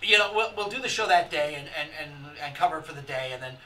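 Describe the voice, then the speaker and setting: A man hosting a casual gaming session with friends, bossy and laughing as he gives quick orders, recorded on a distant mic in a shared room. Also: a little high, lively intonation, sharp tone. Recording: distant mic with faint noise.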